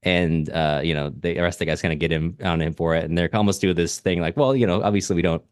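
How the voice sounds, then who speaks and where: A man with a low-pitched voice co-hosts a literary podcast. He talks in a loose, informal, rambling style. The sound is dry, with very little room echo. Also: fairly even intonation, fast, smooth. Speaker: podcast co-host. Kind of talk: casual literary discussion.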